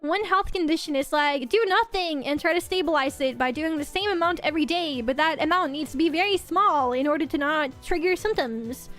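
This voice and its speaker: High-voiced young woman, rambling. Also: fairly quick, few pauses, fairly bright tone, faint music behind. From Norway. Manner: rambling, restarts and repeats words. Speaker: streamer. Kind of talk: casual chat with viewers.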